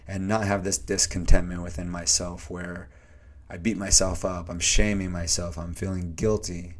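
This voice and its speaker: Low, flat-voiced man, slightly hoarse. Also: moderate pace. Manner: earnest, searching, with many restarts and fillers. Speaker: podcast host. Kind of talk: reflective solo podcast monologue.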